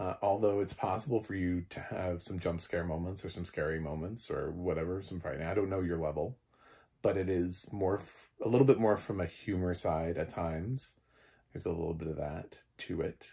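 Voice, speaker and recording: Somewhat breathy and very deep in pitch, this man's voice shows ordinary pitch variation. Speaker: movie reviewer. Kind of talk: casual film review. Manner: hesitant, many fillers.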